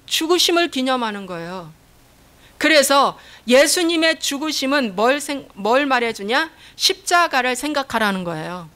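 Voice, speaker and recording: A woman's voice: on the high side, pushed and bright. A middle-aged woman pastor preaching a sermon, repeating key phrases and asking her congregation questions that she answers herself.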